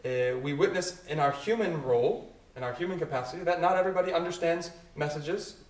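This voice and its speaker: A man who is a native English speaker, explaining ideas through everyday examples and questions in a casual two-person talk. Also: a little high. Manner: leads with examples, asks questions, quick and animated. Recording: roomy echo, a bit far from the mic.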